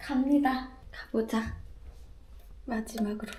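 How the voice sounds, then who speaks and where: A woman talks with fairly even intonation. Noticeable background noise runs behind her. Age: 30s. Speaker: travel vlogger. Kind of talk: casual vlog talk.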